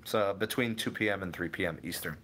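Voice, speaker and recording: Bright-voiced man hosting a tech livestream. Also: low-pitched, brisk. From Cleveland area, USA. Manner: rambling, self-correcting, answers viewers by name. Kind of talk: casual live chat reading viewer comments.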